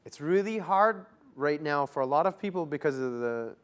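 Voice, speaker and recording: A man's voice: on the high side, moderate pace, clear, resonant tone. A young man from Canada giving loose, casual interview answers, full of "like" fillers. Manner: relaxed, loose, many "like" fillers. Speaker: interview guest.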